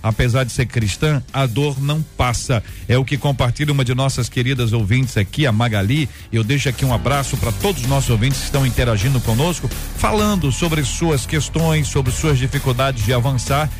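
Guy hosting a radio show, mid-pitch voice, jokey banter, soft music under it. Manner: teasing, quick banter. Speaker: radio talk show host. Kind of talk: relaxed joking studio chat, reading listener messages.

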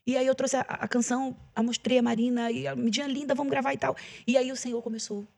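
Fast and flat in delivery, this woman's voice sits high, with a darkish tone and vocal fry. A Brazilian gospel singer and podcast guest, she tells an emotional testimony conversationally, repeating phrases for emphasis.

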